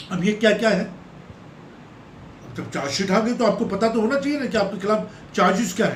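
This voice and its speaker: There is audible room echo and noticeable background noise as a man speaks in a high pitch. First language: not Hindi (speaking Hindi). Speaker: lawyer. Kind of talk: legal explainer video.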